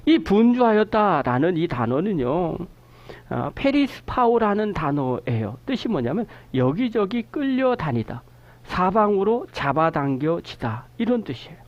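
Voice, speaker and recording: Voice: medium pitch, lo-fi sound. A pastor preaching a Sunday sermon in a church, explaining scripture and questioning the congregation. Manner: explains a scripture word's meaning slowly. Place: church sanctuary.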